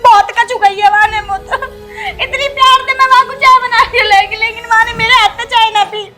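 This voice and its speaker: A woman's voice: very high-pitched, steady tone, moderate pace, music in the background. A woman playing a meek, uneducated young village bride who pleads tearfully. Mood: hurt. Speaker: daughter-in-law. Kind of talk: rural Hindi film drama.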